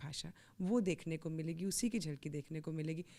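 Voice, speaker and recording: A woman's dark, mellow voice with ordinary pitch variation, in a Bihar accent. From Mithila region, Bihar. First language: Maithili (speaking Hindi). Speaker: film producer and actress. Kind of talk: interview. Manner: formal.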